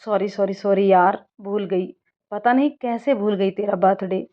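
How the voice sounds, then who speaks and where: A woman's voice: mid-range voice, steady tone, measured pace, natural voice. A woman voicing a cheerful, forgetful young office worker with a playful, teasing manner, on a dull lo-fi recording. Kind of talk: storybook voice acting.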